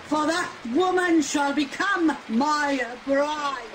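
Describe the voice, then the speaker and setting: A woman's voice: high voice, slow pace. A woman playing a polite, pompous prince in an audio pantomime, speaking with formal, grand courtesy. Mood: courteous. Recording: noisy home video-call recording.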